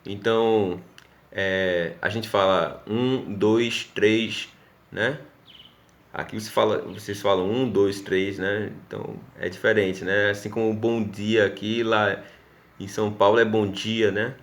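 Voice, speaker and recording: A man's voice: lowish voice, little pitch movement, unhurried, fairly bright tone. Male teacher, Pernambuco accent, recorded lesson, explanatory, checks in with students. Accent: Pernambuco Brazilian Portuguese. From Northeast Brazil. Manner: explanatory, checks in often with "né?" and "tá bom?".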